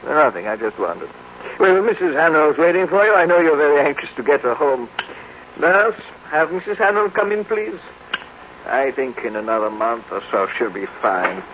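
An actor playing a courteous, measured American family doctor in a 1950s radio drama. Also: male voice, fairly high pitch, sing-song, fairly bright tone. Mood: measured concern. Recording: hissy, muffled 1950s radio recording.

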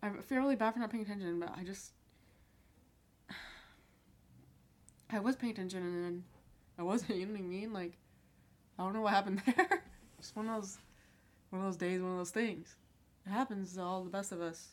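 A woman co-hosting a podcast in loose, casual chat. She is excitable and repeats herself, with laughter breaking into her talk. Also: mid-range voice, brisk, pauses often. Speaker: podcast co-host.

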